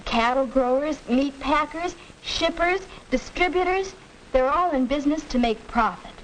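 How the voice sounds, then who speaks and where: A young woman playing a pointed, skeptical high school student debating, in 1940s educational film acting, on a hissy old film soundtrack. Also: moderate pace, natural voice, low-quality recording. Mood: arguing. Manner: pointed, arguing.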